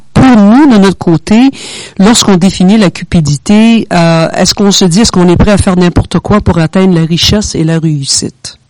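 At a moderate pace and very even loudness, a woman with an ordinary speaking voice talks at medium pitch with ordinary pitch variation. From Quebec, Montreal. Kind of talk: competitive debate. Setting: radio studio.

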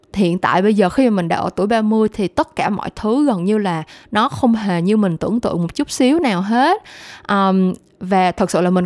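Recorded very cleanly against a silent background, with a dry, close sound and no echo, a woman speaks at a moderate pace in a medium pitch with lively intonation. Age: 30s. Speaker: podcast host. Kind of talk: personal monologue. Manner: hesitant, many fillers.

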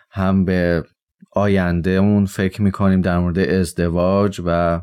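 A man talks with a very deep, low pitch. His intonation is flat and monotone. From Iran, Tehran. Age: 20s. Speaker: young Baha'i community volunteer. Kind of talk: interview, personal story.

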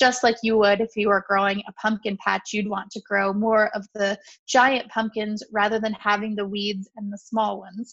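Speaking in a flat monotone at a moderate pace, a woman with a fairly high voice and an American accent sounds dry and close, with no echo. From Kansas, US. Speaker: bookkeeper and business consultant. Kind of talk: casual interview chat.

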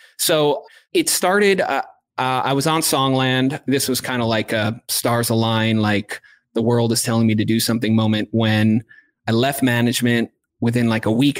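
A man with an unremarkable speaking voice talks at a moderate pace with fairly even intonation and very even loudness. The sound is dry and close, with no echo. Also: medium pitch for a man. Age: 30s. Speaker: musician and songwriter. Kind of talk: casual chat. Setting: video call.

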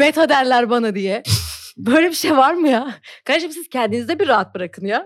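This woman's voice is high-pitched, with lively intonation at a moderate pace. The recording is very clean, with a silent background. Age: 30s. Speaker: content creator and designer. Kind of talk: casual chat. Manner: talkative.

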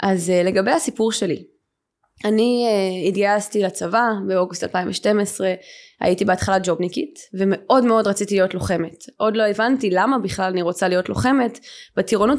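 Her voice at medium pitch, a woman talks at a moderate pace with vocal fry and ordinary pitch variation. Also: very clean recording, silent background. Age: 20s. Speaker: podcast host and guest, reality show contestant. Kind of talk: conversational interview.

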